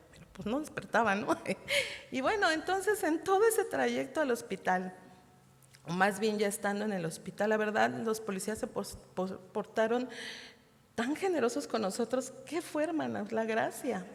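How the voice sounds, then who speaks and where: Mexican woman testifying in a reverberant church. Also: on the high side. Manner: heartfelt, addresses listeners as sisters, halting restarts. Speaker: women's meeting speaker. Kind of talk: emotional personal testimony sermon. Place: church hall. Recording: long church hall reverb.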